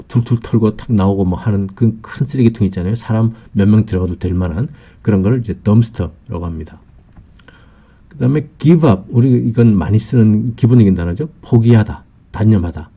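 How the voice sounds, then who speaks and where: A man giving an English vocabulary lesson in Korean, explaining word after word slowly and patiently, with many hesitant fillers. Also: fairly low pitch, mellow, slightly rough. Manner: slow and patient, many "어" fillers, lists meanings one by one.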